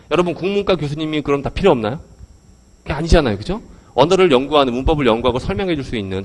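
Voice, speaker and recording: A male lecturer talks fast to a hall audience through a handheld mic. His pitch leaps up and down as he fires questions at the crowd, and the delivery stays animated throughout. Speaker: English education lecturer.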